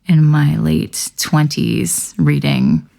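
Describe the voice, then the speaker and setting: A woman's voice: sits low, very animated, drawn-out words, gravelly, warm tone. A woman hosting an intimate podcast, talking candidly and reflectively and laughing easily. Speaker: podcast host.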